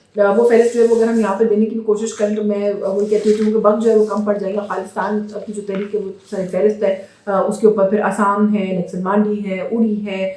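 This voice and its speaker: A woman's monotone, flat intonation amid noticeable background noise. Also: medium pitch for a woman. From Pakistan. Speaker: journalist. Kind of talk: news commentary to camera.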